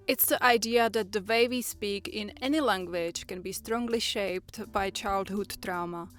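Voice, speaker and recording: Earnest Czech-accented woman vlogger. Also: medium pitch. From Czech Republic. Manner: earnest and encouraging, with measured phrasing. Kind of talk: personal, reflective vlog talk.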